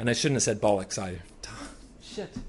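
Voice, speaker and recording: A man is speaking. His pitch swings very widely. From England. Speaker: performance poet, storyteller. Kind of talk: live comic monologue. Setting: live bar audience.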